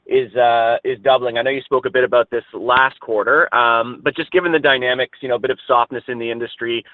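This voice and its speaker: A man's voice: mid-range voice, fairly even intonation, a little fast, no room sound. A man, a financial analyst, asking wordy, hesitant questions on an earnings call. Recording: dry, tinny phone line.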